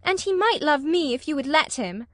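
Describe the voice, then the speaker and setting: A woman doing a lovesick, indignant young girl with a high voice. She pleads and protests petulantly. The voice is recorded close and dry, like an audiobook. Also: lively intonation, moderate pace, no room sound. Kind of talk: audiobook character voice.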